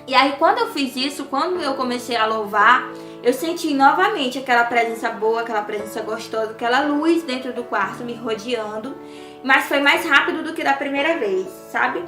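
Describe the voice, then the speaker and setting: A woman's voice: sits high, moderate pace. A woman giving an earnest personal faith testimony, often addressing her listeners directly. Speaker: testimony guest. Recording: roomy with soft music behind. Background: faint instrumental music.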